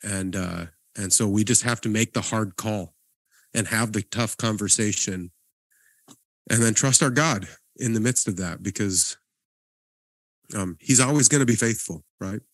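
A man's voice: fairly low pitch, measured pace, no echo. A man co-hosting a church podcast, talking in an earnest, encouraging way with frequent restarts. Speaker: podcast co-host, guest pastor. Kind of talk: casual podcast conversation.

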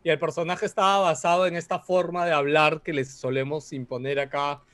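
A man's voice: fairly high pitch, little pitch movement, fairly quick, fairly bright tone, no echo. A man who hosts podcasts, chatting and telling anecdotes. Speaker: podcast host. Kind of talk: casual podcast chat.

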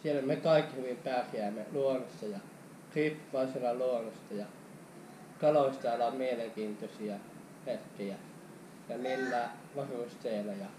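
A man's voice: mid-range voice, mellow, roomy sound, slight background noise, low-quality recording. Earnest young man, short plain answers. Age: young adult. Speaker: guest angler. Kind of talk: casual answers on camera. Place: outdoors on a frozen lake, then an indoor kitchen.

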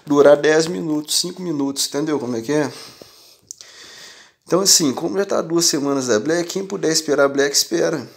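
A man's voice: fairly high pitch, brisk, vocal fry. A man with a Brazilian accent talking casually and emphatically to his channel's viewers, often checking that they follow. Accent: Brazilian Portuguese. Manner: animated, emphatic, keeps asking "entendeu?". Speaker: tech channel host and shopkeeper. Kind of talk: casual direct-to-viewer talk.

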